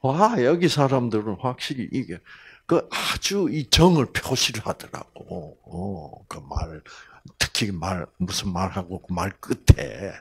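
A middle-aged man from South Korea's Gyeongsang region gives a folksy health lecture laced with homely humor and many hesitant fillers. His voice is fairly low, slightly bright with a breathy edge, and he speaks unhurriedly.

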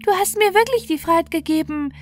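Woman putting on a high-pitched eager little hare. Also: a little fast. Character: small grateful talking hare, quick and eager.

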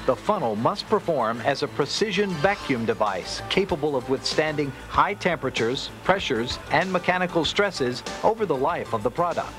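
Animated American male narrator over music. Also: fairly high pitch. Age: middle-aged. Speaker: corporate video presenter. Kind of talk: scripted industrial film narration. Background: background music.

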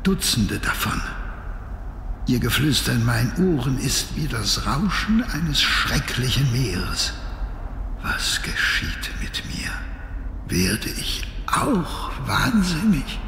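An actor playing a troubled, scholarly diarist in a horror adventure game, speaking in a solemn, formal, dramatic manner. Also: male voice, mid-range voice, very animated, takes it slowly, creaky, heavily acted. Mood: anguished. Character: troubled scholarly male diarist, obsessed and fearful. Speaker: game character reading a diary. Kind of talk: dramatic scripted narration. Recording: echoey hall reverb, background noise.

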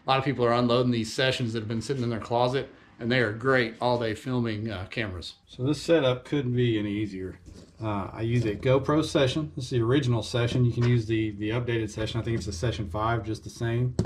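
Relaxed man in his garage. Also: mid-range voice, a little fast, a little hiss or hum. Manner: relaxed, conversational, frequent "uh" fillers. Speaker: fishing channel host. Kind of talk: casual how-to vlog. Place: home garage workshop, indoors.

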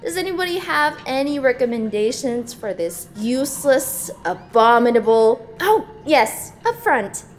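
Woman playing a sugary, high-pitched, cruel instructor. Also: very animated, faint music behind. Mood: gushing, mocking. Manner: saccharine, slow, theatrically gushing. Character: falsely cheery, cruel female therapy class instructor. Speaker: class instructor. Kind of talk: audio drama acting.

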